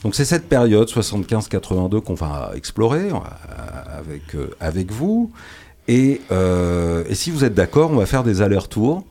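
A man's voice: lowish voice, big pitch swings, vocal fry, dark tone. A man hosting a jazz radio show in a studio, talking with frequent fillers and restarts. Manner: halting, many fillers and restarts. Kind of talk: hesitant radio presenting.

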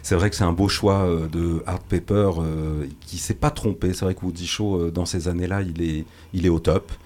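Deep-voiced hesitant radio host man. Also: fairly even intonation, a little mellow. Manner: halting, many fillers and restarts. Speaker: radio jazz show host. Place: radio studio.

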